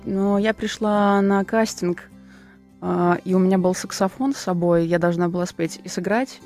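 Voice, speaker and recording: A woman, a singer and TV presenter, telling her story as a guest in a radio interview in an unhurried, relaxed way. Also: on the low side. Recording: radio studio with faint music behind.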